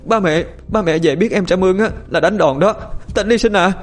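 A man's voice: a little fast, natural voice. A man voicing a panicked young girl searching for her little brother, pleading and crying. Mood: frantic. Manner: crying, pleading, high-pitched. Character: panicked young village girl, older sister.

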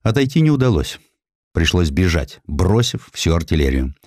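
A man reading a scripted historical narrative in an expressive, emphatic storytelling manner. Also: sits low, moderate pace, dry recording, studio quality. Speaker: audiobook narrator.

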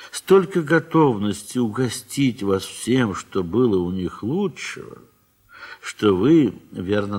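A man narrating a radio play, reading literary prose in a measured, wistful way with soft, trailing phrase ends. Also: deep voice, husky.

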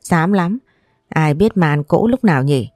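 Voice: expressive, unhurried, a little mellow, no echo, clean studio sound, close to an everyday voice. A storyteller voicing a jealous, quarrelsome young wife who accuses and whines. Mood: accusing. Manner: shrill accusing, whining.

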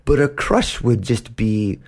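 Slow, mellow-voiced male podcast host. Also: mid-range voice. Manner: gives examples in playful put-on quotes. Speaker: podcast host teaching English. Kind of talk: casual explaining, slow and patient.

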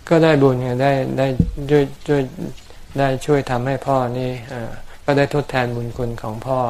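Calm monk explaining plainly, faint hiss. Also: male voice, medium pitch, moderate pace. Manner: calm, plain explaining with homely examples and dry humor. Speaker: Buddhist monk teacher answering questions. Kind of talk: dharma talk answering questions.

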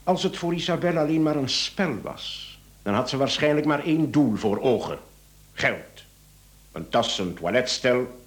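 A man's voice: mid-range voice, expressive, unhurried, lightly acted. A man playing a shrewd police inspector in a radio drama, theatrical, probing and sardonic as he insinuates. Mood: insinuating, sardonic. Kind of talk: Dutch-language radio drama acting.

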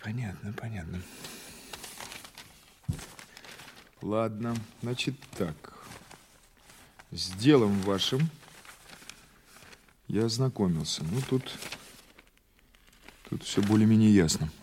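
An actor playing a patient, skeptical police investigator in an audio drama, questioning in a halting, conversational, insistent way. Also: male voice, fairly low pitch, darkish tone, slight background noise. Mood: calm, probing. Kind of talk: naturalistic audio drama dialogue.

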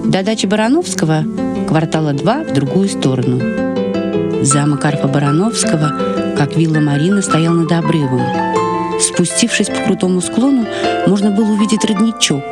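Male literary narrator, somewhat high voice, scripted prose read over prominent music. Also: expressive, normal speed. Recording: loud music behind the voice.

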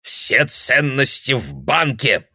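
Man voicing furious old man, paranoid, shouting, raised pitch, dry close sound. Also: sing-song, slow pace, breathy edge, no room sound, heavily acted. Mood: raging. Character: confused angry old man, father.

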